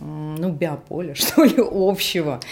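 A woman with a plain, everyday voice speaks at medium pitch with lively intonation. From Transnistria. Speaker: stylist. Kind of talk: casual interview chat. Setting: studio.

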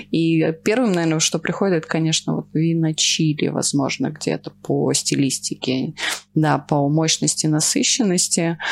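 A woman with a very deep, low pitch talks at a moderate pace with ordinary pitch variation. Her loudness stays very even over noticeable background noise. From Transnistria, Moldova. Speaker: sommelier and travel guide. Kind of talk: casual chat.

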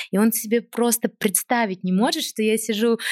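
A woman's ordinary speaking voice, fairly high-pitched with ordinary pitch variation, at a moderate pace, dry and close with no echo, on a very clean recording with a silent background. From northern Russia, Vologda region (small town). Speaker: fashion designer and brand founder. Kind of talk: casual interview conversation. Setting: in her own clothing salon.

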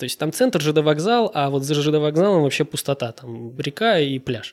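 A man talks in a normal speaking voice, moderately paced, with lively intonation and a fairly high pitch. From Russia, Kazan. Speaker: street artist. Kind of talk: casual interview. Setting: artist's studio.

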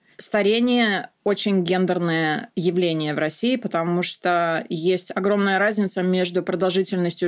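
A woman with a plain, everyday voice talks at a fairly slow pace in a fairly low pitch, with hardly any pauses, very even loudness and fairly even intonation. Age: 40s. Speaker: sociologist. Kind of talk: interview.

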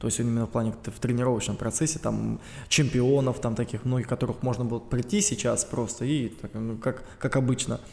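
Using an ordinary speaking voice, a man keeps his intonation fairly even at a medium pitch. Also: fairly quick pace. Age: 20s. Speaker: martial arts champion. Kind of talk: interview. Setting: studio.

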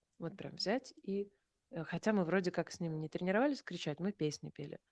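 A woman speaks at a moderate pace with ordinary pitch variation, the sound dry and close with no echo. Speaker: singer and vocal teacher. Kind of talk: interview conversation.

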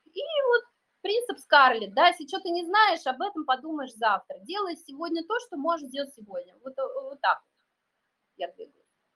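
A woman speaks in a raised, projected voice with an extremely high pitch and a bright, sharp tone. Her loudness swings widely, her pitch swings very widely, and she takes long, frequent pauses. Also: moderate pace. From Russia, Nizhny Novgorod. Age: 50s. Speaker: psychologist and business trainer. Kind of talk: podcast interview.

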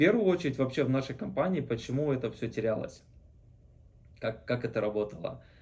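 A man's dark, mellow tone. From Kyrgyzstan. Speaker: business owner, China sourcing expert. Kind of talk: casual interview. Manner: repetitive, halting.

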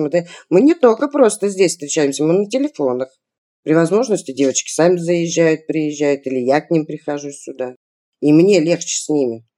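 On a very clean recording with a silent background and a dry, close sound with no echo, a woman speaks at a moderate pace with a very deep, low pitch and a dark, mellow tone. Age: 40s. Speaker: mother in crisis. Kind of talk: testimony.

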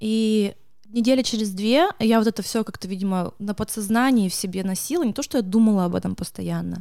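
A woman speaks with a fairly high pitch and a dark, mellow tone. Her pitch varies in an ordinary way, and the recording is very clean with a silent background. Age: 30s. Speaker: divorced mother sharing her story. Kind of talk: casual chat.

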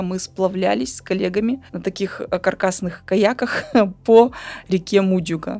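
Speaking at a moderate pace, a woman has a dark, mellow tone and medium pitch. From Russia, Arkhangelsk region (Northern Dvina delta). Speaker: biologist and university lecturer. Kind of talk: interview. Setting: studio.

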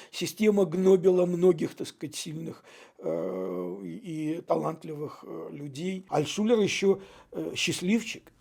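A man at a very slow pace, his loudness swinging widely. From Russia, Leningrad. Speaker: innovation consultant. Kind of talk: interview. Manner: halting.

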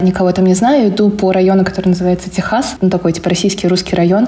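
Noticeable background noise is present throughout. The woman talks at a medium pitch. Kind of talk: casual chat.

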